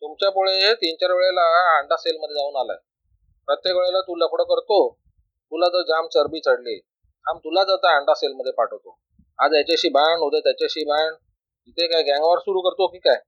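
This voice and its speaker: A stern middle-aged jail warden barks at prisoners, played by a man reading aloud. His scolding tone sits slightly high and dry, with no room around it. The recording is muffled and lo-fi. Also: a little fast, fairly bright tone, no room sound, natural voice. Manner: scolding, bossy. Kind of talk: storybook reading. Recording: dull lo-fi recording.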